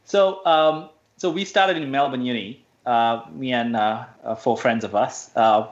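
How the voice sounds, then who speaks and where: A man's voice: mid-range voice, measured pace, lo-fi sound. A man from Sri Lanka, a guest on a radio interview, speaking hesitantly with many fillers and restarts.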